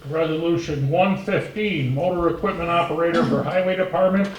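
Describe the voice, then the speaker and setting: A man chairing a town board meeting, briskly calling votes and reading resolutions in a town hall. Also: a little high, steady tone. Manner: brisk, procedural. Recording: echoey room, far from mic, faint noise.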